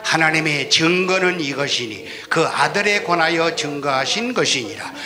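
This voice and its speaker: A male pastor from Chungcheong teaching a Bible class, leading the class in repeating lines after him and swinging from quiet asides to shouted declarations. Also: on the high side, animated, normal speed. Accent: Chungcheong Korean. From Chungcheong, Korea. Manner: leads call-and-response reading, swings from soft to shouting. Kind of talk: sermon-style Bible class.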